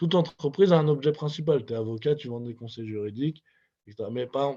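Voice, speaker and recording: Moving fairly quickly, the speaker keeps a dark, mellow tone and ordinary pitch variation. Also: man. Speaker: business network founder. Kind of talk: webinar presentation.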